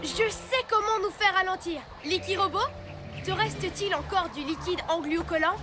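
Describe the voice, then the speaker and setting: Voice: very high-pitched, moderate pace. An actor playing a courageous little alien boy hero in a cartoon, eager and commanding. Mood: determined. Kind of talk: cartoon dub acting. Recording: loud music behind the voice. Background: cartoon music.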